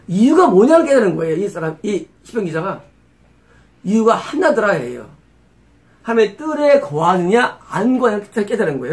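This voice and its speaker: A middle-aged man preaching an expository sermon as pastor, often asking his own rhetorical questions and repeating key phrases. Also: high-pitched. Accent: Korean-accented English words.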